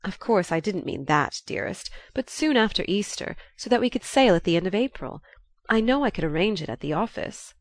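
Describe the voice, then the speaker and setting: A woman voicing a young gentleman who pleads urgently and persuasively. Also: medium pitch, expressive, fairly quick, no echo, close to an everyday voice. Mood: pleading. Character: young gentleman, eager and pleading, sometimes exasperated.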